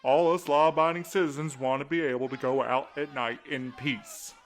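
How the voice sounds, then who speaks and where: A man's voice: medium pitch, steady tone, normal speed, close to an everyday voice. A man playing a large, aggressive protester in an audio drama, confrontational and coarse. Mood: hostile, aggressive. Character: large aggressive hostile male protester, bullying townsman.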